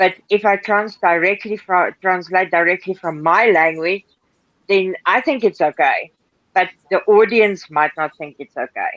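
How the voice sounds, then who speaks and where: A woman with a non-native accent speaks at a fairly slow pace in a medium pitch, with ordinary pitch variation and a dry, close sound with no echo. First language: not English. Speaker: caller. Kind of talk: casual chat. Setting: call-in to live stream.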